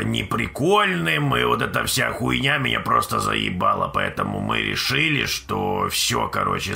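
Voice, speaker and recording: Male streamer, low and heavily gravelly voice, swears constantly while rambling to viewers. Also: bright, forceful tone. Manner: profane, rambling, blunt. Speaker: live streamer. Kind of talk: casual live-stream chat to viewers.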